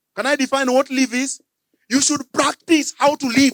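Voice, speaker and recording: A man speaks in a Kenyan accent at an extremely high pitch. His tone is animated, with ordinary pitch variation. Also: dry, close sound with no echo. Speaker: preacher. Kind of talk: sermon.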